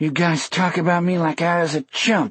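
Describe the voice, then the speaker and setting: The voice is a put-on character, pitched in the middle range. It moves along at a moderate speed. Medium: read story. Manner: sullen, defensive.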